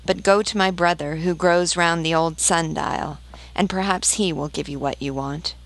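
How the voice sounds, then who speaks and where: A woman reading the part of a calm white rose tree in a storybook, slow and measured. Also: on the low side, no room sound, lightly acted, rough recording.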